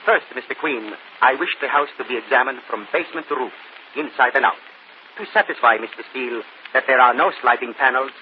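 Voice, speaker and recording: An actor playing a proud, formal stage magician in a vintage radio drama. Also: male voice, medium pitch, brisk, slight background noise, close to an everyday voice. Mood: grand. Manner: formal, stately speech without contractions. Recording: muffled vintage radio broadcast.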